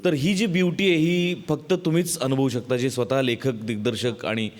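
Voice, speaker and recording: A man speaking as a show judge, giving measured, appreciative praise. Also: medium pitch, steady tone. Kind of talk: praising commentary.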